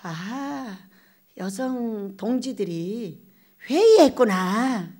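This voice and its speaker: An older woman pastor preaching a lively storytelling sermon, acting out little exchanges and laughing as she goes. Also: fairly high pitch, very slow. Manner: animated, acts out quoted exchanges, laughs often. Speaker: pastor, head of a prayer retreat.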